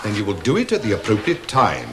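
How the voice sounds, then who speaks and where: An actor playing a pompous, sarcastic, theatrically weary form tutor in a British television drama, speaking in elaborately wordy sentences. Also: male voice, fairly low pitch, wildly swooping pitch, fast. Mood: sardonic disapproval. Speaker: actor in a school drama series.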